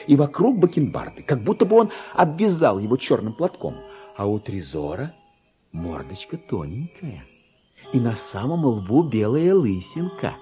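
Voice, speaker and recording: A man's voice: medium pitch, dark tone. A man voicing a gossipy, affected little female pet dog in a theatrical, chatty reading of a classic story. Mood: haughty, admiring. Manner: chatty, mannered, exclamatory, drawn-out emphasis.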